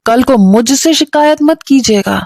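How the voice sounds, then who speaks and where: A woman's voice: high-pitched, a little slow, a little mellow, no echo, studio quality, pitched above the performer's own voice. A woman voicing a stern, suspicious young man who snaps curt retorts. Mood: irritated.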